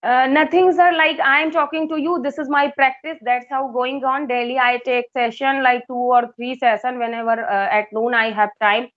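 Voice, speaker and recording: A woman's voice: sits high, level tone, normal speed, hardly any pauses, muffled recording. A woman in her thirties from Uttar Pradesh, India, a native Hindi speaker who tutors English, talking in hesitant English with an Indian accent, full of fillers and restarts. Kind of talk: casual English conversation practice.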